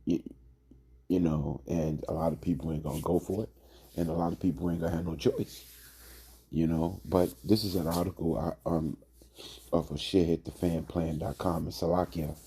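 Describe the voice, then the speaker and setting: Man, religious teacher, hoarse from a cold, raspy, gravelly, drawling. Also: low voice, fairly even intonation, normal speed, dark tone. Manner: drawling, many fillers. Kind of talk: informal religious lesson.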